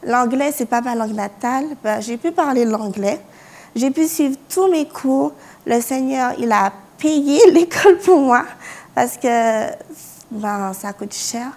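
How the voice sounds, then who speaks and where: A fairly high-voiced young woman from France shares her faith testimony. She speaks earnestly, restarts her sentences often and breaks into small laughs. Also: slow, darkish tone. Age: young adult. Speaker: university student giving testimony. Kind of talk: spoken personal testimony.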